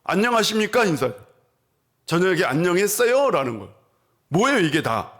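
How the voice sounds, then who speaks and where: A man's voice: sing-song, moderate pace, a bit bright. A male pastor preaching a Sunday sermon in a church, asking the congregation questions and answering them, and acting out quoted voices. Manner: acts out quoted voices in a higher pitch. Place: church sanctuary.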